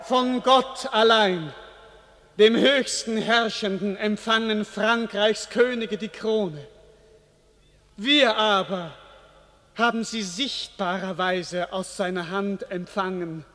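A man's voice: high-pitched, takes it slowly, pushed and bright, exaggerated voice. An actor playing a grand, pious king of France, addressing his people ceremonially in a classical radio play. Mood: solemn, exalted. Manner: ceremonial, proclaiming. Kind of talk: classical stage verse radio acting. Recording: long cathedral-like reverb.

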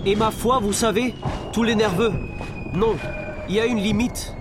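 Man playing a high-pitched, agitated war veteran. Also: fairly even intonation, moderate pace, background noise, close to an everyday voice. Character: agitated French male war veteran recalling horrors. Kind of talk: dramatic monologue in a radio play.

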